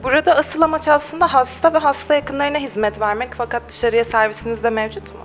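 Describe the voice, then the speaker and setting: A woman's voice: sits high, flat delivery. A young woman working as a TV reporter, delivering polished scripted questions into a handheld mic in a small cafe. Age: young adult. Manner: fast, polished presenter delivery. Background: faint music.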